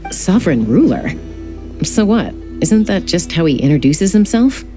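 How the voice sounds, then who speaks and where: A low, mellow, cool-headed young woman. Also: sing-song, normal speed. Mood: dry, teasing. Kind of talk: anime video game story dialogue. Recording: background music under studio dialogue.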